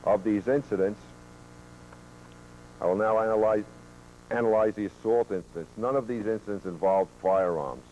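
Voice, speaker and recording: A man who is a police officer giving a training lecture, presenting statistics in a measured way with occasional fillers, heard from a worn VHS tape copy. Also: on the low side, darkish tone, highs cut off. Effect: worn VHS tape copy with hum.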